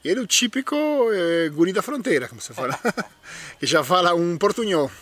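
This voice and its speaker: A man's voice: high-pitched, big pitch swings, fairly quick, a bit bright. A man in his forties from Uruguay with a Uruguayan Spanish accent, a guest chatting about his life in a backyard interview, laughing as he tells stories on a handheld mic. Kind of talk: casual interview talk. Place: outdoor backyard. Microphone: handheld microphone.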